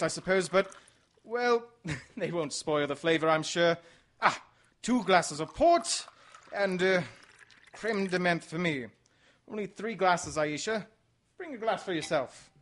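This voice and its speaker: A man playing a debonair, sly gentleman exile in a radio mystery, speaking suavely and theatrically. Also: a little high, unhurried. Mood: smooth, insistent. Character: debonair, sly English gentleman exile, Foreign Legion deserter. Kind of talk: radio mystery drama acting.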